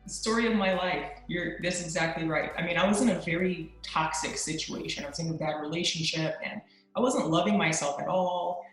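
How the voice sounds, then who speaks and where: A woman's voice: fairly low pitch, brisk, hardly any pauses, faint music behind. A young woman, a guest on a chat show, talking openly and earnestly with lots of likes and ums. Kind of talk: casual interview talk. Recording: very echoey remote audio.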